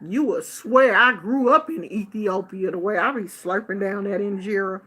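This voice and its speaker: A middle-aged woman from the United States telling a casual story in a chatty, expressive way, acting out the people she quotes. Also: medium pitch, normal speed, breathy edge. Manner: chatty, expressive, animated quoting of others. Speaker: vlogger. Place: Bay Area.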